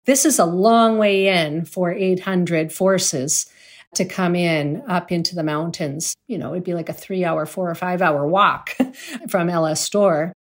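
A woman's voice: lowish voice, measured pace. A woman speaking earnestly and plainly in an interview. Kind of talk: conversational interview.

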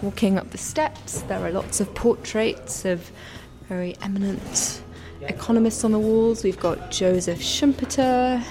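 A woman's voice: medium pitch, measured pace, music in the background. A woman presenter who describes her surroundings as she walks, then asks conversational interview questions.

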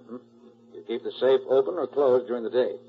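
A confident, methodical private detective played by a man in a 1940s radio drama. He speaks rapidly at a middle pitch, through a tinny, narrow old recording. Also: faint music behind, lightly acted. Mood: probing, brisk. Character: brisk, composed male master detective, methodical and confident.

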